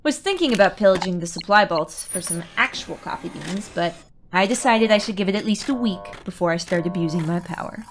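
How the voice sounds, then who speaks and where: A woman's voice: lowish voice, animated, a little fast, slight background noise, natural voice. A woman acting a wry, stubborn, eager fleet leader in a sci-fi audio drama, with an informal, teasing manner. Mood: wry, playful.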